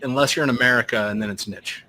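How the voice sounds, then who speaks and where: A man interviewing a speaker in casual conversation, halting with frequent restarts. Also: mid-range voice, sharp tone, slight background noise.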